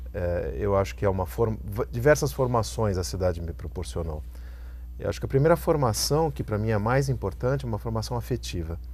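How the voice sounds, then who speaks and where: A man with a very deep, low pitch and vocal fry speaks at a fairly quick pace, his voice making very wide pitch swings. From Brazil, São Paulo and ABC region (São Bernardo do Campo). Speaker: professor. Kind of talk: interview. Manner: hesitant, many fillers.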